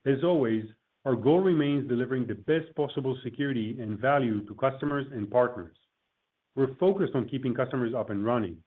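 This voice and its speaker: Male executive, medium pitch, formal scripted corporate delivery, narrow telephone-conference audio. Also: a little fast. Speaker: company executive presenting on an earnings call. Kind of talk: prepared corporate remarks, read from a script. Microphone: conference call line. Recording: tinny phone-line conference call audio.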